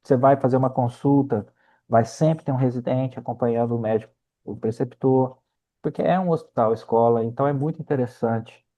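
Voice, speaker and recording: Steady and fairly quick, his mid-range voice carries a dark tone. He's a middle-aged researcher from Minas Gerais, Brazil, speaking as an interview guest who tells anecdotes to explain his points and frequently checks in with the listener in a conversational storytelling style.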